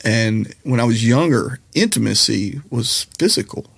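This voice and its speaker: Candid, gravelly middle-aged man. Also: medium pitch, animated, unhurried, no echo, clean studio sound. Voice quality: slightly raspy from playing. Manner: candid, reflective, jokey storyteller. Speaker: podcast guest, musician and comedian. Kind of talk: casual conversational interview.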